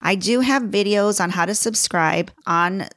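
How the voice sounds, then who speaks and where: A woman's voice: mid-range voice, measured pace, fairly bright tone, no room sound, clean studio sound. A middle-aged woman with a Chicago accent hosting her own podcast, chatting casually and laughing at herself as she talks. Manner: chatty, self-deprecating, laughs often. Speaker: podcast host. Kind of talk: casual solo podcast talk.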